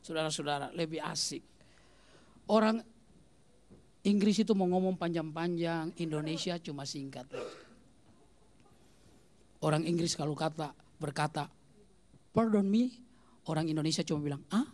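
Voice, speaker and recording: A man's voice: on the high side, moderate pace, long pauses. A man doing stand-up comedy, telling stories and acting out the voices of the people in them. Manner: animated, acts out voices in his stories.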